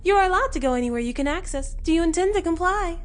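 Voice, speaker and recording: Woman playing a high-pitched, formal female android. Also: fast. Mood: formal, neutral. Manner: formal, flat stock phrases, emotionless. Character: polite, literal-minded female ship's android. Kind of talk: scripted sci-fi audio drama.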